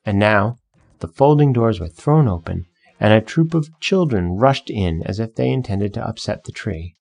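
A man narrating a fairy tale in a measured, gentle storytelling manner. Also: on the low side, expressive, vocal fry, soft background music.

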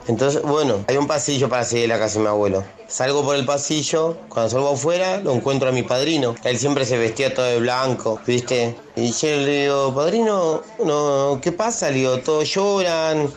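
A man with an Argentine accent, calling in to tell a personal story in a rambling, emotional way full of fillers. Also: mid-range voice. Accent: Argentine Spanish. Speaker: caller. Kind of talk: casual storytelling.

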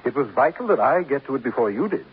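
A man's voice: mid-range voice, very animated, quick pace, close to an everyday voice. A man playing a smug, florid killer. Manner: ornate, mocking, pleased with himself. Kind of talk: 1950s radio acting. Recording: tinny, lightly hissy old radio broadcast.

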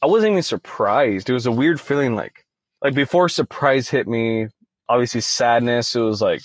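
A man's voice: medium pitch, animated, normal speed, no echo. A young man speaking as a guest in a casual interview, retelling events conversationally and leaning on "you know" fillers. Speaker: podcast guest.

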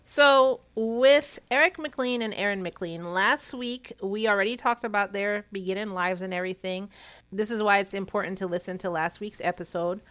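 A woman's voice: mid-range voice, moderate pace, fairly bright tone. A woman hosting a podcast, chatting casually and telling true-crime stories, talking with slightly clenched teeth because of a sore cheek. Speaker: podcast host.

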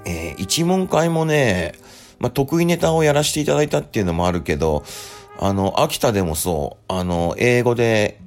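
A man hosting a casual radio segment, telling relaxed stories with plenty of fillers. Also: deep voice. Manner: chatty, relaxed storytelling with many fillers. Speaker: radio host and rakugo storyteller. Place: Japan.

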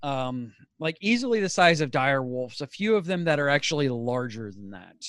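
A man narrating as game master, relaxed and laughing often, with frequent fillers. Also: medium pitch, moderate pace, no echo, clean studio sound.

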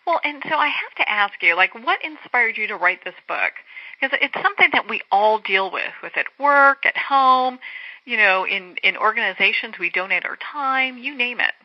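A woman's voice: a little high, animated, normal speed, no room sound. A woman hosting an interview, asking questions in an enthusiastic, chatty way. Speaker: interview host. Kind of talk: conversational interview. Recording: muffled, dry lo-fi line.

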